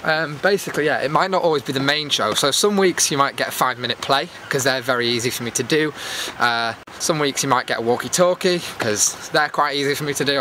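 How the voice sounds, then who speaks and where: A man chatting casually to his viewers in a rambling, self-deprecating vlog, talking into a handheld camera as he walks outdoors. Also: medium pitch. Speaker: YouTube host. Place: outdoors, walking in a public area. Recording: clear outdoor background noise while walking.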